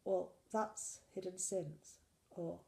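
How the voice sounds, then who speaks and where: A woman talks through her week in a chatty, rambling vlog, her voice low and gravelly. She is full of cold, and her tone stays dark and mellow as she wanders from point to point. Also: slow pace. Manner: chatty, rambling, self-deprecating. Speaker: slimming vlogger. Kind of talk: casual weekly diet vlog.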